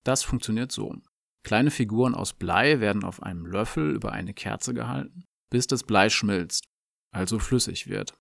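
Gravelly low man explaining calmly. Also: normal speed, no echo, clean studio sound. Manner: calm, clear, explaining. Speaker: language lesson presenter. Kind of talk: scripted explanatory dialogue.

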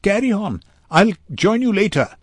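A man narrator acts a concerned, protective woman from a novel, lifted in pitch. The delivery is urgent and caring, with plain, clearly phrased questions and appeals. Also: huge pitch swings, takes it slowly, darkish tone, no room sound, studio quality, heavily acted. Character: caring, anxious young woman comforting a distraught child.

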